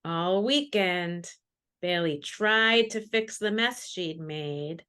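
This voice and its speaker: A woman's voice: on the low side, slow, sharp tone, clean tone. A woman, a children's author, introducing and reading her picture book to classrooms over a video call.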